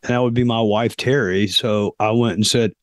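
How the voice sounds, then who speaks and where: Hoarse man hosting a podcast. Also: lowish voice, fairly even intonation, no echo, studio quality. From South Carolina, US. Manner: deliberate, pausing often with fillers. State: hoarse, losing his voice. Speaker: podcast host. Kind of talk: reflective podcast monologue.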